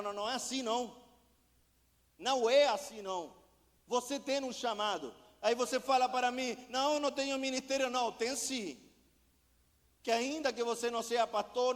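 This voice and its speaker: A man, a missionary preacher, delivering an impassioned sermon full of repeated rhetorical questions. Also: very high-pitched. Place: church sanctuary. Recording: long church hall reverb.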